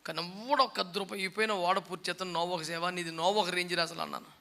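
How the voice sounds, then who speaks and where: A man's voice: sits high, flat delivery, quick pace, pushed and bright. A man preaching a sermon in a scolding, mocking way, often acting out the people he quotes. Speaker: pastor. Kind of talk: fiery sermon.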